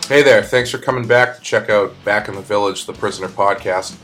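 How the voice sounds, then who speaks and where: Brief: male podcast host, lowish voice, easygoing rambling delivery, studio mic. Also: brisk, music in the background. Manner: relaxed, rambling with fillers. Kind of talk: casual podcast chat. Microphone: studio microphone.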